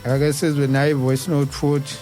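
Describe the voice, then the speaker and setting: A man's voice: fairly high pitch, flat delivery, normal speed, dark tone, soft background music, low-quality recording. A South African man hosting a talk show in a casual, conversational way. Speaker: radio host.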